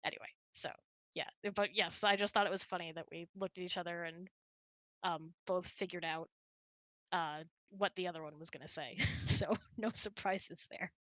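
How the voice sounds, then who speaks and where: A woman's voice: fairly low pitch, fairly even intonation, moderate pace, a bit bright, no echo. A woman hosting a casual online hangout, chatty and self-deprecating, thinking aloud as she answers audience questions. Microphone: close mic on an online voice chat.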